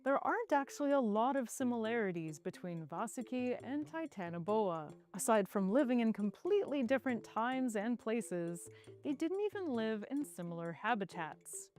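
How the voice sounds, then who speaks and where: A woman reading scripted educational science narration in a clear, explanatory manner, as a video narrator. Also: on the high side, expressive, moderate pace, darkish tone, faint music behind.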